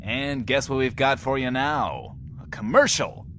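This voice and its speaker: An actor playing a smooth-talking, self-satisfied radio DJ in an audio drama, delivering cocky, drawling patter. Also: male voice, mid-range voice, a little slow, fairly bright tone, slight background noise, close to an everyday voice. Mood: smug, upbeat. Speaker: radio host.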